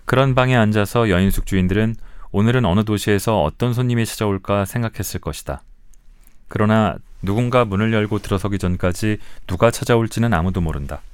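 Guy in his 40s reading his own essays out loud, low smooth voice, slow and thoughtful, dry close sound. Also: no echo. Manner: slow, measured and reflective. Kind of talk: calm literary reading aloud.

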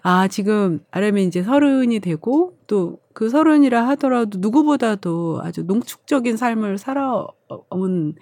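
A woman in her forties or older talks over art and music in a relaxed, reflective way, often dropping in little "ne, ne" replies. Her voice is mellow and dark. The sound is dry and close, with no room around it. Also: medium pitch, measured pace, few pauses, no room sound. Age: 40s or older. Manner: reflective, frequent "ne, ne" backchannels. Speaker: arts commentator. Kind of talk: casual studio chat.

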